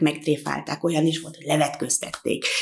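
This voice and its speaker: A woman talks with noticeable background noise around her. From Hungary, Somogy county. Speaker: ethnographer, museum researcher. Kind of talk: interview.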